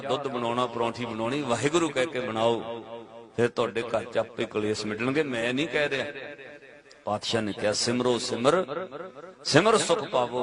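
Punjabi-accented preacher with a crowd. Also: male voice, medium pitch. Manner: exhorting, asks the crowd questions, playful asides. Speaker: Sikh preacher. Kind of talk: sermon to a live congregation. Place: gathering with a crowd. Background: crowd responding.

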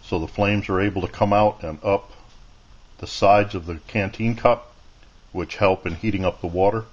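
A man giving a casual hands-on demonstration at a workshop bench, explaining each step in a plain, unhurried way. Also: sits low, fairly even intonation. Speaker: outdoor gear video maker. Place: workbench in a home workshop. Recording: dull lo-fi camera audio.

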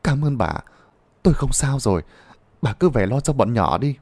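A man's voice: mid-range voice, lively intonation, normal speed, darkish tone, no echo. A man voicing an older village mother, tearful and scolding over her lost son. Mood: subdued.

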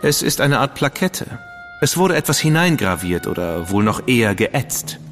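An actor playing a confident, skeptical Victorian gentleman agent who asks pointed questions. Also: medium pitch, big pitch swings, normal speed, long reverb tail, soft background music. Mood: probing. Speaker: agent of the crown. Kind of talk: studio radio drama acting.

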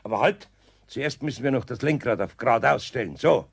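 Gravelly, kindly older Bavarian craftsman. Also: medium pitch, animated, fairly quick, slight background noise. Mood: practical, patient. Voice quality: gravelly, husky. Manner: good-natured, indulgent, homely. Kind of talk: children's audio drama acting.

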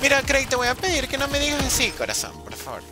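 A young man chatting jokily with his stream chat while playing, with sudden animated outbursts. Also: extremely high pitch, fast talker, music in the background. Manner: jokey, reads and answers chat, animated outbursts. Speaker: gaming streamer.

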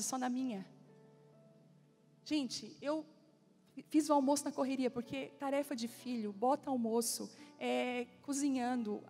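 A woman pastor in her forties preaches from the pulpit, with a high voice. She tells stories and acts out dialogue in lively bursts. Soft music plays faintly behind her. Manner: animated storytelling with acted-out dialogue. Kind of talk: sermon. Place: church.

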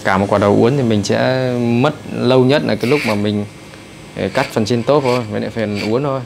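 A man with a Northern Vietnamese accent giving a brisk, chatty hands-on haircut tutorial in a barbershop. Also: medium pitch, gravelly, noisy background. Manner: brisk, chatty, addresses viewers as brothers. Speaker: barber instructor. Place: barbershop indoors.

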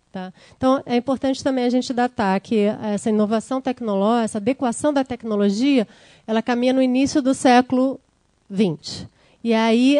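A woman's voice: on the high side, mellow, no echo. A woman giving an academic lecture, explaining slides and checking in with the audience. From Brazil. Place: lecture room.

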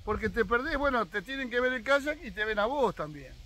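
Lively older Argentine man, high voice. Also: a little fast. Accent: Argentine Spanish. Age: 60s. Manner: opinionated, talks straight to viewers. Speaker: fishing vlogger. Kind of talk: casual opinion monologue. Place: outdoors on his own rural land.

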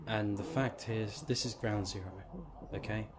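A man's voice: fairly low pitch, steady tone, moderate pace, natural voice. A man playing a curt, grave soldier explaining a zombie outbreak in an audio drama. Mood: grave, stern. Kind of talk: amateur audio drama acting. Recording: noisy amateur recording.

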